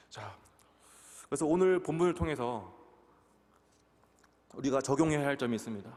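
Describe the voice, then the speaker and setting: A man preaching to a youth service, his voice sitting a little high for a man. He switches into lively, raised voices whenever he acts out quoted dialogue. His words ring out with a long reverb from a church sanctuary. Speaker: youth pastor. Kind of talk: sermon.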